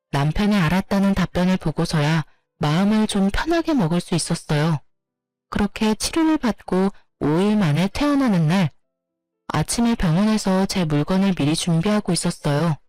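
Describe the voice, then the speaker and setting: A woman tells a first-person story in a calm, confiding tone. Her voice is medium in pitch and dry and close, with faint music in the background. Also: dry recording, low-quality recording.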